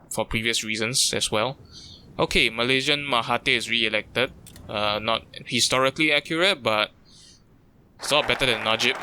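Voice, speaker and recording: A man's voice: mid-range voice, pushed and bright, clear, resonant tone. A young man from Singapore, thinking aloud in loose, chatty let's-play commentary. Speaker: gaming YouTuber.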